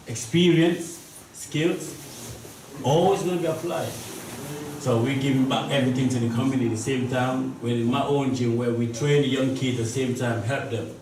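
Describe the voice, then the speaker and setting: A man, a boxer, speaking earnestly at a press conference in halting, non-native phrasing. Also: mid-range voice. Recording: echoey room, distant mic, noisy.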